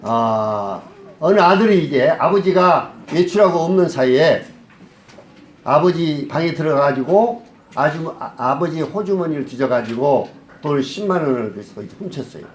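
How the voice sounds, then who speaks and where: A man's voice: animated, normal speed, a little hiss or hum. A male pastor preaching a sermon, asking the congregation questions and answering them himself. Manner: acts out scenes with a softer low voice. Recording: echoey hall.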